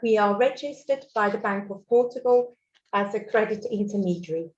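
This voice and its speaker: A woman's voice: medium pitch, normal speed, a little mellow, lo-fi sound. A Swiss woman whose first language is German, presenting a mortgage webinar in a friendly way with fillers and small laughs. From Switzerland. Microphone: video call.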